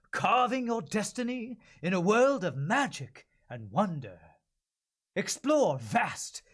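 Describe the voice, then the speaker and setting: A man voicing a heroic, excited announcer for an epic fantasy game trailer, pompous and theatrical. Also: high-pitched, heavily acted. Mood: heroic, grand. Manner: pompous, sweeping, theatrical delivery. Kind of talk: dramatic video game trailer narration.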